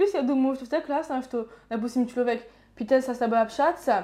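Delivered fairly quickly, the speech carries a dark, mellow tone and ordinary pitch variation. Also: woman. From northern France. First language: French (speaking Russian). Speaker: podcast host, language school founder. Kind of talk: casual interview chat.

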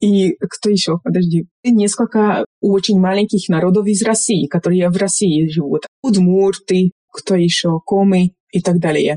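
Spoken at a fairly slow pace with a Hungarian accent, the voice keeps fairly even intonation and very even loudness, and the sound is dry and close with no echo. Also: woman, medium pitch for a woman. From Hungary. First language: Hungarian (speaking Russian). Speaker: university language teacher. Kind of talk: interview. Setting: video call.

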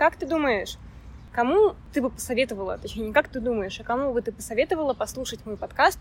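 Over noticeable background noise, a woman talks with a high pitch and lively intonation. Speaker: podcast host. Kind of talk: interview. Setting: outdoors in a park.

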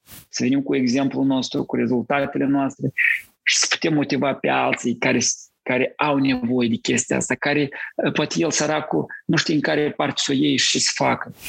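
At a moderate pace, a man speaks with very even loudness. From Moldova. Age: 30s. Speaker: runner. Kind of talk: casual chat.

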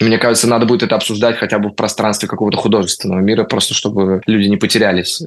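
A man at a very fast pace, fairly low in pitch, with very even loudness and hardly any pauses. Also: fairly even intonation. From Moscow, Russia. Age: 20s. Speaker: actor. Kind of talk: interview.

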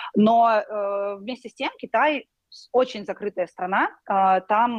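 With a plain, everyday voice, a woman speaks at a fairly high pitch with ordinary pitch variation, the sound dry and close with no echo. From Bryansk, western Russia. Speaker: business development manager, former English teacher. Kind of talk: casual interview.

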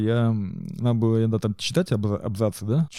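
Speaking at a medium pitch, this man shows ordinary pitch variation. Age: 30s. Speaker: podcast co-host. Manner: fast talker.

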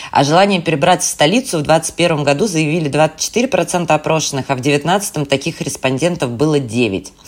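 Lively intonation marks this woman's very deep, low voice, which moves at a moderate pace. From Russia. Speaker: podcast host. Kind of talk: casual chat.

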